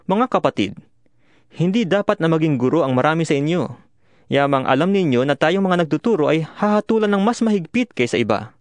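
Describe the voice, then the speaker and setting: A man's voice: on the high side, expressive, brisk, dry recording. A man gives an earnest, emphatic dramatized scripture reading, exhorting his listeners as a solemn narrator. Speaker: narrator of a dramatized audio Bible. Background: music behind the voice.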